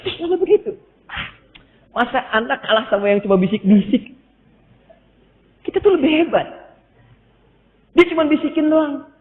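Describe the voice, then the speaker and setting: High-voiced, lively male preacher in a hall. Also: normal speed, long pauses. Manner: lively and humorous, jumps high for emphasis. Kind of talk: sermon. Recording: tinny echoey hall recording.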